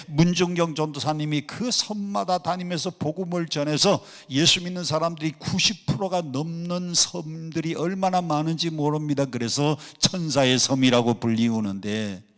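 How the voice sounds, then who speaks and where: A male pastor preaching a sermon, asking the congregation questions and answering them himself, mimicking regional dialect, rising to loud emphatic exclamations. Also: fairly high pitch. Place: prayer retreat worship hall. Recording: long hall reverb.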